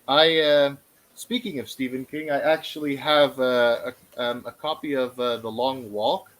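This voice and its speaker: A man talking casually as a guest about books, pausing often with "uh". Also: mid-range voice, fairly even intonation, pushed and bright, low-quality recording. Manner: hesitant, frequent "uh" pauses. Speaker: guest, book video creator. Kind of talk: casual chat.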